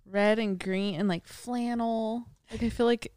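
Casual woman co-host, filler-heavy home chat, crisp dry tone. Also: mid-range voice, steady tone, normal speed, darkish tone, no room sound. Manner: chatty, heavy use of "like". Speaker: podcast co-host. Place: home living room with dog nearby.

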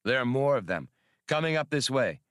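A man's voice: mid-range voice, sing-song, moderate pace, a bit bright, dry recording, clean studio sound, pitched above the performer's own voice. A man voicing a brash, decisive spaceship captain in an audiobook, terse and commanding with a wry edge. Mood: hushed, commanding. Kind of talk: audiobook character voice.

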